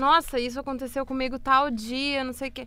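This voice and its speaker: This woman speaks in a high pitch with a bright, sharp tone. Her pace is moderate and her intonation fairly even. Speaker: co-host. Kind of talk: casual chat, personal stories.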